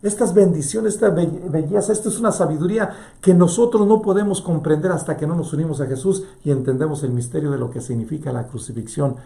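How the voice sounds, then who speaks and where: A man preaching a sermon as a priest, fervent and swinging from loud to hushed. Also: on the high side, fast, creaky, few pauses, echoey room.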